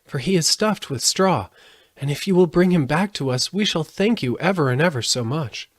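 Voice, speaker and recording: A man's voice: fairly high pitch, expressive, moderate pace, dry recording, clean studio sound, pitched above the performer's own voice. A man voicing an earnest, polite and eager little girl in a storybook reading. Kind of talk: storybook character voice in audiobook.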